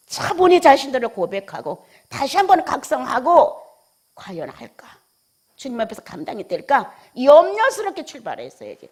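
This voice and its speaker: A woman pastor preaching a sermon, with scolding rhetorical questions and sudden drops from emphatic outbursts into hushed near-whispers. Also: fairly high pitch.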